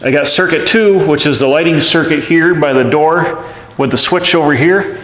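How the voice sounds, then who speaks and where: A man's voice: fairly high pitch, normal speed, a bit bright. Man explaining wiring in an echoey barn. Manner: thinks aloud, frequent restarts and fillers. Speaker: DIY channel host. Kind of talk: casual step-by-step explanation while working. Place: pole barn workshop. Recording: echoey, reverberant barn space.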